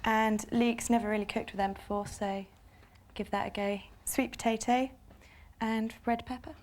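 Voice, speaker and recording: A woman's voice: fairly high pitch, fairly even intonation, a little mellow. Upbeat young woman contestant. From Fulham, London. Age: 20s. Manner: upbeat, brisk listing. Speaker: contestant, recent graduate.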